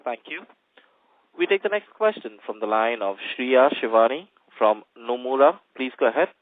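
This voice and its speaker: A man's voice: medium pitch, animated, normal speed, no echo. A man working as a conference call operator, making scripted announcements. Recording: dry, narrow phone line.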